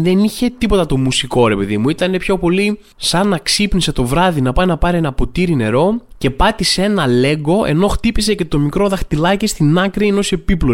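A man with a Greek accent hosting a podcast, telling a sarcastic comic monologue with sudden jumps in pitch, slowing down for punchlines and rushing through asides. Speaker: podcast host.

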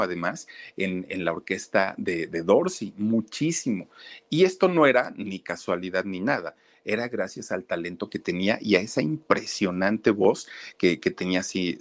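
A man's voice: fairly low pitch, no room sound. A man telling a life story casually, addressing viewers directly with many fillers.

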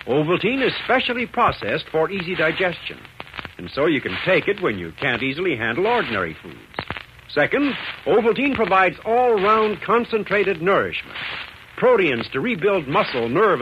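An American man working as a 1940s radio announcer, delivering sponsor pitches and serial narration in an earnest, emphatic way. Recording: noisy, muffled 1940s radio recording.

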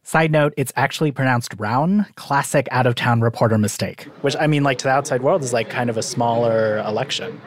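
A man's voice: medium pitch, a little fast, hardly any pauses. Conversational male podcast reporter. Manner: conversational, lightly self-deprecating. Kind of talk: narrated documentary storytelling.

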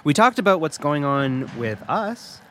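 An actor playing a hurt, sarcastic young gay customer-service rep with a halting, passive-aggressive way of talking in an audio comedy-drama. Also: male voice, fairly high pitch, sing-song, sharp tone, full character voice. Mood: unsettled, reflective.

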